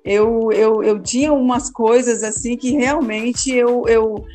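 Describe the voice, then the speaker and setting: Soft music plays behind this Brazilian woman from Amazonas, whose high-leaning voice moves slowly and mellowly with fairly even intonation. She's a teacher who used to host radio, and she responds to interview questions casually and haltingly, frequently repeating herself.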